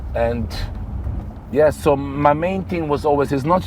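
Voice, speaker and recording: Noticeable noise sits behind the speech. The man keeps a moderate pace. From Switzerland. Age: 40s. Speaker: nightlife entrepreneur. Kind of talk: podcast interview.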